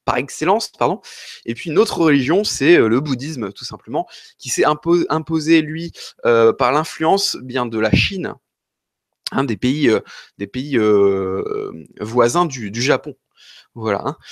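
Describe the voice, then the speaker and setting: Man from France, live Q&A host, rambling and hesitant, slightly ill, mid-pitched, dry close sound. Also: dry recording. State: slightly ill, occasional cough. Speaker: host answering viewer questions. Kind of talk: live-stream Q&A chat.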